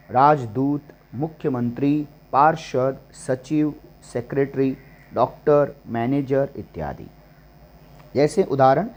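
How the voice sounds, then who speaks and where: A man teaching a grammar lesson, slowly listing example words one at a time. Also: mid-range voice, a little mellow, highs cut off. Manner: slow and deliberate, listing examples word by word. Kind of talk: classroom-style grammar lesson.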